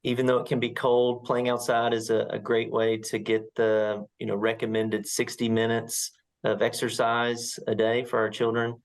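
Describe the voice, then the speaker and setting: A man's voice: medium pitch, completely flat delivery, normal speed. American man, a doctor explaining conversationally. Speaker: sports medicine doctor. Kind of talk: interview soundbite, unscripted explanation.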